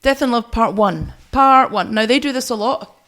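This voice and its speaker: A woman's voice: on the high side, normal speed, fairly bright tone. Woman podcast co-host, blunt and teasing. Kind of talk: music review chat.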